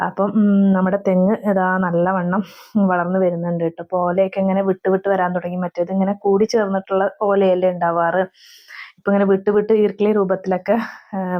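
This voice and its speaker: A mother narrating her day at home in a chatty voice-over, ending sentences with soft tag words and pausing on fillers. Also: on the low side. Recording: slightly dull lo-fi voice-over.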